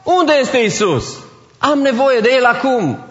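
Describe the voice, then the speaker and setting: A man's voice: extremely high pitch, very animated. A man acting out an anxious grieving woman who insists on answers, in a sermon. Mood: pleading. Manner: pleading, insistent questions. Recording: reverberant hall, dull sound.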